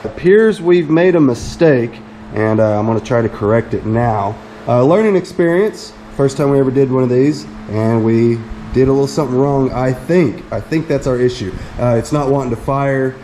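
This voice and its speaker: American man talking over clear fan noise. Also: medium pitch, normal speed, low-quality recording. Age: middle-aged. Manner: folksy, conversational explaining. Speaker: DIY mechanic vlogger. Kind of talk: casual hands-on repair vlog narration. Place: hot space around a truck, fan running. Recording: loud fan noise behind voice.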